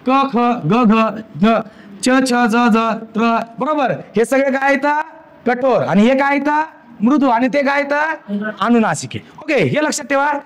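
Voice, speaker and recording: A man with a Marathi accent teaches a grammar lesson in a very high-pitched, slightly slow voice. He asks the class questions, answers them himself, and spells out sounds one at a time.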